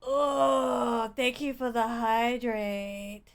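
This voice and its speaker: A woman's voice: fairly high pitch, little pitch movement, drawn-out words. A young woman livestreaming a game, chatting casually with viewers in a playful, silly, exaggerated way. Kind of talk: casual chat with stream viewers.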